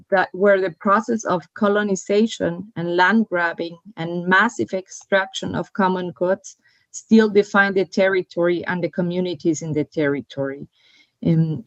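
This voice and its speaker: A woman's voice: on the low side, no echo, muffled recording. A woman from El Salvador, speaking earnestly on a panel with frequent restarts. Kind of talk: prepared panel talk.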